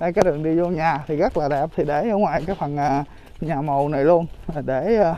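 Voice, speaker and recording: This man has a dark, mellow tone and a fairly high pitch, with ordinary pitch variation at a moderate pace. The sound is dry with no echo, and there is light background noise. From Mekong Delta, An Giang; Vietnam. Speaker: charity vlogger; charity volunteer vlogger. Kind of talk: vlog narration. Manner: casual, halting with fillers. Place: street.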